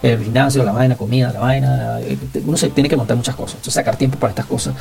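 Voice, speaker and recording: Fast-talking Venezuelan man with a gravelly voice. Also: medium pitch, soft background music. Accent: Venezuelan Spanish. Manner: slangy, animated, acts out dialogue. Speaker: podcast host. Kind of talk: casual storytelling.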